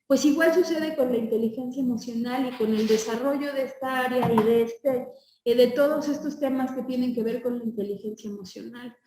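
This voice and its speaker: A woman's voice: on the high side, fairly quick, warm tone, echoey room, recorded from a distance, slight background noise, rough recording. A woman teaching a class, lecturing and asking her students questions before answering them herself.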